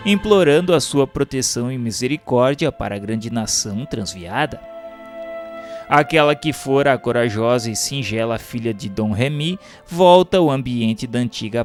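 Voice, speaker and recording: Male narrator, Brazilian accent, grave and formal radio-drama storytelling with animated, declamatory pitch swings over a music bed. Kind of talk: solemn scripted radio narration of spiritist history.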